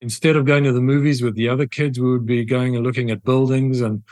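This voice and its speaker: A man's voice: mid-range voice, flat delivery, quick pace, a little mellow, no echo, studio quality. A man with a South African accent, a guest architect on an interview podcast, telling stories in an easy, reflective way. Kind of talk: casual interview.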